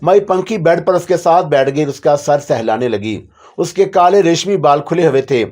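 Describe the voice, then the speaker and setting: A man reading a scripted horror story in a steady, dramatic way. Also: fairly high pitch.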